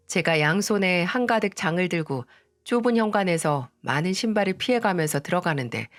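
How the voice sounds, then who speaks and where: A woman's voice: lowish voice, no echo, studio quality. Woman narrating a personal story. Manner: conversational, recounting.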